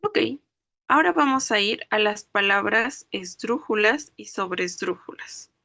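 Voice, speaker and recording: A woman's voice: medium pitch, animated, a little slow, gravelly, sharp tone, no echo. A woman teaching a language class, explaining rules step by step and checking that students follow. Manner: explains step by step, checks understanding with frequent questions; spells out words syllable by syllable. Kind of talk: online class lecture.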